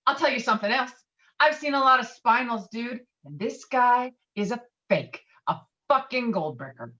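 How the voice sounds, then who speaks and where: A woman's voice: a little high, animated, moderate pace, fairly bright tone, highs cut off. A woman acting a stubborn, hot-tempered male war veteran in a table read, profane and combative. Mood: belligerent. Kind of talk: virtual table read of a film script. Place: remote video call.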